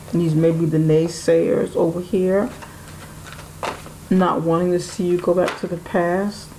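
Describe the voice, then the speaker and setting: A woman's voice: lowish voice, mellow, a little hiss or hum, low-quality recording. A woman giving an intuitive tarot reading, musing aloud and speaking to spirit and the viewer. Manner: musing, talks to spirit and viewer, laughs often. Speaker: tarot reader.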